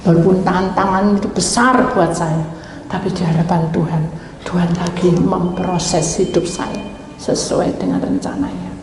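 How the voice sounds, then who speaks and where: A middle-aged woman pastor preaches in a conversational yet emphatic manner. Her voice sits at an ordinary pitch and rings through a large, echoey church hall with a long tail of reverb. A faint hum of room ambience lies underneath. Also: fairly even intonation, unhurried. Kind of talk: sermon.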